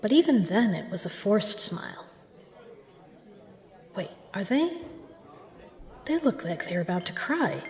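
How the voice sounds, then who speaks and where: Female actor as self-assured, exacting bar patron, flirtatious yet protective; formal, measured delivery for scripted audio roleplay. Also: mid-range voice, sing-song, a little mellow. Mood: concerned.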